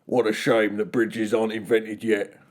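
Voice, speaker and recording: A reader voicing a mean tyrannosaurus pair chanting in low, slow voices. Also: little pitch movement, a little mellow, close to an everyday voice. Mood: fierce.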